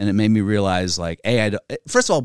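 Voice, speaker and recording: Recorded very cleanly against a silent background, the speaker talks at a moderate pace with an American accent in a dry, close sound with no echo. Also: man. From Virginia. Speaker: comedian and actor. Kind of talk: casual chat. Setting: studio, recording while on an IV drip.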